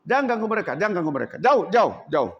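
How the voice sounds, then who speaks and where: A man acting out an angry tribal chief who shouts at strangers and orders them away with repeated threats. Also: high voice, very animated, quick pace, long reverb tail, lo-fi sound, exaggerated voice. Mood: threatening.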